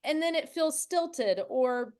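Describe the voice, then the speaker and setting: Female interview host, high register, chatty and supportive, casual conversational delivery. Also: expressive, takes it slowly, a little mellow. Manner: encouraging, affirming.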